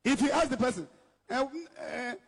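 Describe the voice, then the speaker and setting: Speaking at a moderate pace, a male evangelist with a Nigerian English accent delivers a sermon in a strikingly high, gravelly voice with a breathy edge. He scolds and stresses his points, repeating them and moving between English and Igbo, while the big church hall with its altar echoes long after each phrase.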